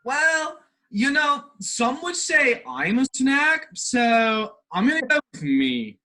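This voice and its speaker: A man's voice: very high voice, very animated, slow, pushed and bright, heavily acted, poor audio. A man playing a cocky, oblivious frat-boy husband in a comedy sketch, swaggering in bro slang. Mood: cocky, rowdy. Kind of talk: comedy sketch staged reading.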